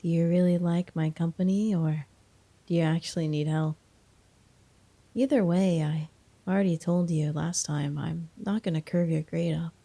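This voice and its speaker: A woman playing a flirty, teasing college professor in a soft, breathy ASMR role-play. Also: lowish voice, steady tone, moderate pace, dry recording. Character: teasing, flirty female college professor, firm but amused.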